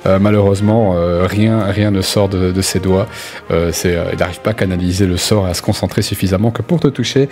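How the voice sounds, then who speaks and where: A man's voice: deep voice, a little fast, a little mellow. A man improvising vivid, casual narration as the game master of a tabletop role-playing game. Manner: vivid descriptive storytelling with casual asides.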